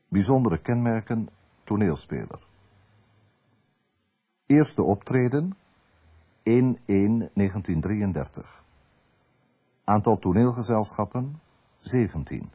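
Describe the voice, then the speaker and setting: A man presenting on radio, reading scripted narration in clipped, measured phrases like a list, with pauses. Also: on the low side, mellow, husky.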